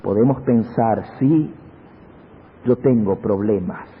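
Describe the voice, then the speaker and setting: A man's voice: takes it slowly, slightly rough. A man preaching a sermon, retelling a Bible story dramatically and calling his listeners brothers. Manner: dramatic storytelling, swinging from low hushed to high exclaiming. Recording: tinny phone-like radio broadcast with long reverb.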